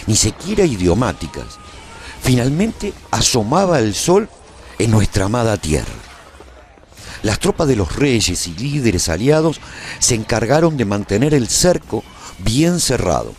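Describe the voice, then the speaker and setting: A man playing a weary resistance fighter who narrates a post-apocalyptic war in a radio serial, in a solemn, deliberate storytelling manner. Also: mid-range voice, a little hiss or hum. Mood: solemn, proud. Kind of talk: scripted dramatic radio narration.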